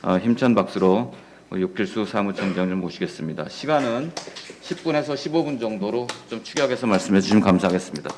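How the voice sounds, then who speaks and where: Low-voiced man introducing a speaker. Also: animated, fast talker, background noise. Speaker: seminar moderator.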